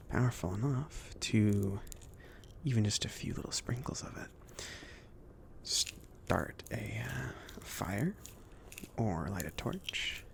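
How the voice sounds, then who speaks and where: Casting: chill, kindly mage , male performer for ASMR roleplay; whispery, lightly gravelly, rambling and casual with lilting intonation. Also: lowish voice, full character voice. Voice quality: soft, breathy whispering mixed with murmured speech. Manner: hesitant, casual, rambling delivery. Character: chill, friendly male mage kindly outfitting his apprentice.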